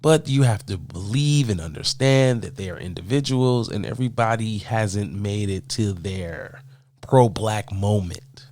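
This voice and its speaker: A man's voice: fairly low pitch, a little mellow, dry recording. A man with a cold, sounding stuffed up, rants casually and emphatically to his viewers, answering their questions and repeating points for effect. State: congested from a cold. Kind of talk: casual opinion rant.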